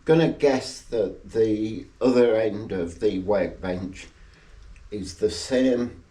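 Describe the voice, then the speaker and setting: A man's voice: on the low side, slow, dark tone. A middle-aged man chatting wryly to camera as he does DIY jobs in his garage. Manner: wry, chatty asides between tasks. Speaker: DIY vlogger. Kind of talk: casual talk-to-camera while working. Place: garage and yard, partly outdoors.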